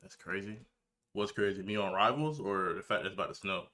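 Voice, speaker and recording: Deep-voiced and fairly quick, with a sharp tone, a 19-year-old gamer and reaction creator talks to chat on his livestream as he sets up. He's laid-back and slangy throughout.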